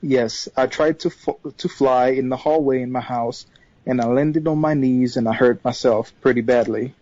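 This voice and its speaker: Hesitant caller from Haiti, dull phone line. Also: male voice, medium pitch, steady tone, normal speed, dark tone, dry recording. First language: not English; third language. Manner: hesitant, many fillers and restarts. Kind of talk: phone-in call, telling a personal story.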